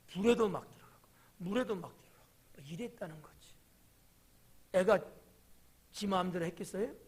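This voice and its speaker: Husky chatty pastor quizzing the pews. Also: male voice, sits high, normal speed. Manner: chatty, quizzes the congregation by title; drops to whispers and rises to sudden shouts. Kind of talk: interactive Wednesday sermon. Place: church sanctuary.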